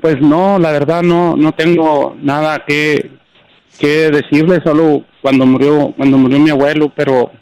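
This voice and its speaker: A man calls in to a radio advice show and speaks slowly and hesitantly. His voice sits somewhat high, and his delivery stays quiet and subdued. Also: level tone, a little hiss or hum, poor audio. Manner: hesitant, subdued, searching for words. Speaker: radio caller. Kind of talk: phone-in conversation.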